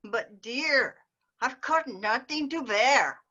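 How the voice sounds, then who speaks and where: A woman's voice: high-pitched, animated, slow, sharp tone, full character voice. A woman playing a fussy older Jewish mother who keeps making excuses, read over a video call with dull, lo-fi sound. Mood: reluctant. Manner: reluctant, complaining. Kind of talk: readers theater joke reading.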